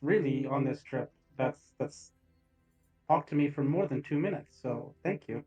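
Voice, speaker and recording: A man voicing a clumsy, magic-powered robot traveler through a light robotic voice changer, speaking haltingly. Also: mid-range voice, dark tone, highs cut off, soft background music. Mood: earnest. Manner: halting, stumbling over words. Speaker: player voicing his character.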